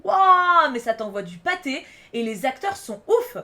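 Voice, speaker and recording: A woman's voice: on the high side, very animated, moderate pace. Chatty, gushing young woman vlogger. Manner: enthusiastic, rambling with many fillers and restarts. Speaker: YouTuber. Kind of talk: casual vlog countdown.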